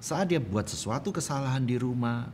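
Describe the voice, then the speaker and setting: A man's voice: medium pitch, animated, moderate pace, a little mellow, a little hiss or hum. A middle-aged man preaching a sermon as pastor, telling personal stories and building to fervent emphasis. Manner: storytelling, swelling to fervent emphasis.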